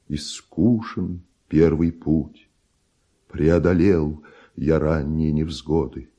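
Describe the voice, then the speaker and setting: A man acting a proud, bitterly envious middle-aged composer in a theatrical verse monologue for radio drama, solemn and declamatory, with weighty pauses and a husky voice. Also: deep voice, warm tone, full character voice. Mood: solemn, reflective. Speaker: actor.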